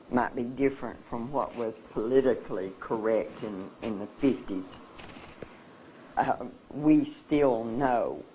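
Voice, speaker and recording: A seminar speaker talks to the audience in a slow, deliberate way, with many pauses and restarts. The delivery is emotional and halting. A faint hum of room ambience sits behind the voice. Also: mid-range voice, darkish tone, rough recording. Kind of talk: personal talk to an audience.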